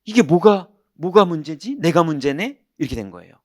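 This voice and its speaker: A man preaching as a pastor, telling a personal story in an animated way and acting out the people in it. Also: a little high, fairly quick, dry recording, clean studio sound. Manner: animated, acts out quoted voices, shouts punchlines. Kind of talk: sermon with storytelling. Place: church sanctuary.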